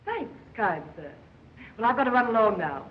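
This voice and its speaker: High-voiced schemer, early talkie film. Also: female voice, sing-song, normal speed. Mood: sly, plotting. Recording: muffled, hissy 1920s film soundtrack.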